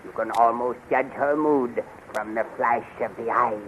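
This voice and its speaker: An actor playing a domineering, impatient palace general barking orders in a 1930s radio serial. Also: male voice, medium pitch, fairly even intonation, measured pace, close to an everyday voice. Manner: commanding, impatient. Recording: muffled, noisy 1930s radio recording.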